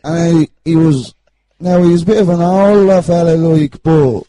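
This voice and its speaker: A man acting out an Irish small-time chancer with a very soft, dark tone and a slightly high voice. He rambles through a comic interview in street slang, always defensive, evasive and hard done by. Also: steady tone, moderate pace, dry recording, natural voice, low-quality recording. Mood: cagey, defensive. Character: shifty, petty-criminal Irish chancer, aggrieved and defensive. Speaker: comic character guest on a wrestling podcast.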